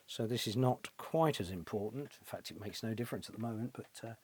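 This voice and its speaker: Speaking a little fast in a lowish, husky, slightly mellow voice with no echo, a middle-aged British repair channel host talks through a job casually. The electronics technician thinks aloud in his small, cluttered workshop, often ending remarks with tag questions.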